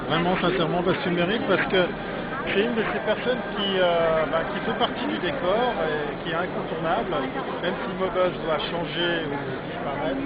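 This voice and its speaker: High voiced guy doing a casual live interview, keeps rewording stuff, big noisy crowd behind. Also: moderate pace. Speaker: interviewer hosting a live web video. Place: busy, cold conference venue in Paris. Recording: dull lo-fi live stream, loud crowd.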